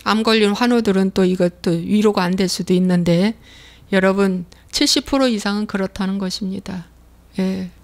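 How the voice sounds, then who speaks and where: A woman's voice: medium pitch, steady tone, moderate pace. A woman pastor preaching a sermon with emphasis, repeating key phrases and acting out the voices of complaining believers.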